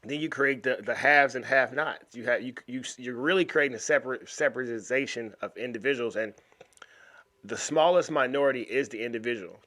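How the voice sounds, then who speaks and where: A man from the United States provides casual commentary over a video as a YouTube reaction host, speaking animatedly and often going back over or restarting words. His medium-pitched voice has a sharp tone and runs a little fast.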